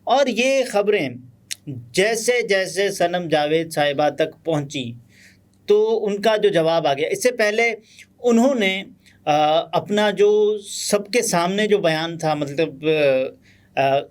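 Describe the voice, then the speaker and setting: A man with a Pakistani Urdu accent giving conversational political news commentary, pausing often with fillers. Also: sits high, lively intonation. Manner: conversational, many pauses and fillers.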